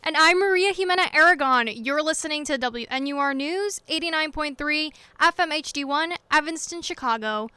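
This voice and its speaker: A woman's voice: high voice, moderate pace, hardly any pauses, bright, forceful tone, no room sound. A young woman presenting a scripted radio news broadcast as its host.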